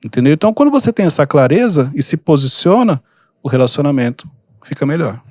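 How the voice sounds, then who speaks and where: A calm man hosting a podcast, giving relaxed advice with lots of everyday examples. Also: fairly high pitch, dry recording, studio quality. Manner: calm, unhurried, gives examples. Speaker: podcast host and mentor. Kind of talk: casual advice talk.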